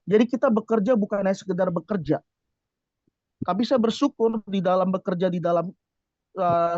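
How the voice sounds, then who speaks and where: A man giving a preaching testimony to a congregation, telling his story in an animated way and asking the listeners rhetorical questions. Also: sits high, no echo. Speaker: church office worker giving a testimony. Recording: dull, dry lo-fi recording.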